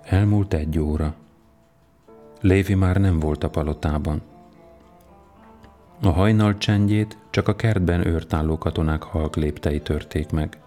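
Male audiobook narrator; very low, mellow, deliberate. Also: soft background music.

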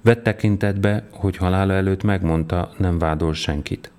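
A man voicing a stern, powerful older Roman governor in a storybook reading, with a measured, commanding manner. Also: low voice, steady tone, darkish tone, clean tone, natural voice.

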